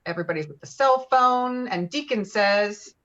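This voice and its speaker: A woman's voice: medium pitch, expressive, normal speed, fairly bright tone. A woman reading screenplay stage directions in an online table read, over lo-fi call audio. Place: remote video-call reading. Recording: dull, lo-fi video-call audio.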